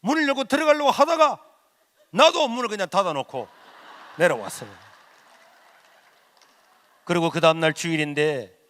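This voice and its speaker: A middle-aged pastor tells a story from the pulpit, his raised voice ringing through a big reverberant hall. He acts out the exchanges, dropping to a near-hush and then climbing back up. It is animated sermon storytelling. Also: high-pitched, normal speed, long pauses. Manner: animated storytelling, acts out dialogue with swings from loud to hushed.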